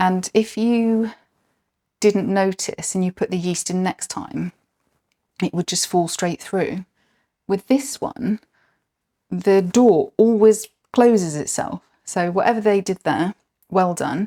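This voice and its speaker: A woman with a British accent, medium pitch and a dark, mellow tone, at a very slow pace with long, frequent pauses, ordinary pitch variation, and a dry, close sound with no echo. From Britain. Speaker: cooking vlogger. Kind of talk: casual chat. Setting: home kitchen.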